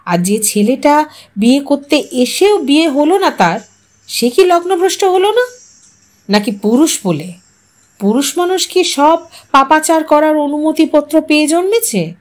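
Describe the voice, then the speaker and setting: A woman reading a short story aloud as scripted dramatic narration, with an expressive, questioning delivery. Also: sits high, measured pace.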